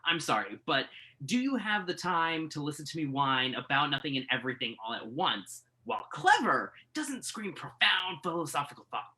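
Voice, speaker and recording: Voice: mid-range voice, very animated, normal speed, sharp tone. An actor playing a skeptical, wry journalist in a play reading, argumentative and questioning. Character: skeptical, wry entertainment journalist debating music. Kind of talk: conversational dramatic play reading. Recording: virtual reading over internet call.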